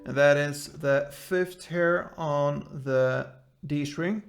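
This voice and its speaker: A man giving an informal step-by-step guitar lesson in short, halting phrases as the host. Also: on the high side, vocal fry. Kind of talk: step-by-step instrumental tutorial. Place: indoors, small room, seated with guitar. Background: acoustic guitar playing.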